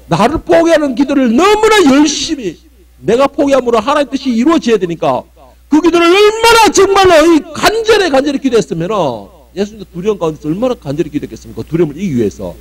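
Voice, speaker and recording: Male pastor, sermon, high voice, very lively pitch, dramatic acted-out prayers, loud and soft swings. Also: quick pace, breathy edge. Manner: emphatic preaching, swinging between loud cries and low murmurs. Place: church sanctuary.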